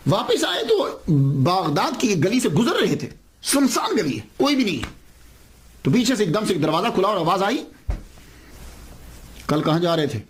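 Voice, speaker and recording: A man's voice: high-pitched, huge pitch swings, a little hiss or hum. A man giving a religious lecture as a story, repeating key phrases and answering his own questions.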